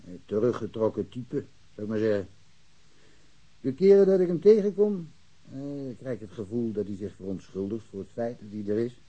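A worldly-wise village cop in a radio play, with a mellow, husky voice. He talks freely and bluntly, full of opinions and thoroughly sure of himself. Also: lowish voice, animated, normal speed, highs cut off. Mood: matter-of-fact, gossipy. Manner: talkative, colloquial, opinionated. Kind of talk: naturalistic radio drama dialogue.

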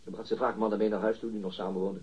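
Raspy, brisk police interrogator. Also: male voice, fairly low pitch, level tone, darkish tone. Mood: probing. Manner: brusque, insistent, formal questioning. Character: blunt, persistent male police interrogator. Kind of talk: acted radio drama dialogue. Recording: dull, muffled lo-fi radio recording.

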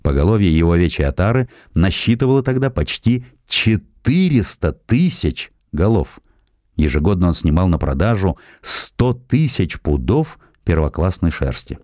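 A man with a low voice reads a scripted historical narrative as an audiobook narrator, telling it in an expressive, measured storytelling manner. The sound is clean studio audio with no echo.

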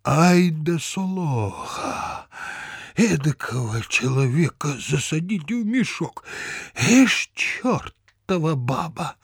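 A man's voice: fairly high pitch, expressive, slow, husky, no echo, studio quality, exaggerated voice. An actor playing a blustering, indignant village father in a Russian audio drama, grumbling and exclaiming theatrically. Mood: grumbling, angry.

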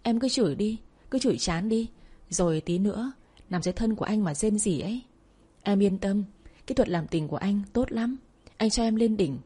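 A sneering, crude young man taunts his former lover, as a woman reader puts him on. The voice is dark and husky, sounding close to her own storytelling tone in an audio story. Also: medium pitch, animated, moderate pace. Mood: mocking. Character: leering arrogant young male ex-boyfriend.

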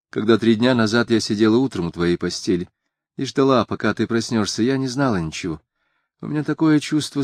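A man's voice: medium pitch, darkish tone, dry recording, clean studio sound. A man voicing a fragile, distraught young woman in an audiobook, her pleas tearful and breaking. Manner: tearful, breaking, repetitive pleading.

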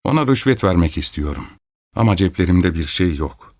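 A man with a very low, deep voice reads a first-person story aloud. His delivery is steady and measured, like an audiobook narration.

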